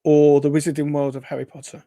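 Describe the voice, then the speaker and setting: A man's voice: on the high side, flat delivery, fast talker, warm tone, no room sound, studio quality. Casual male host with weak r sounds. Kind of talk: casual interview chat.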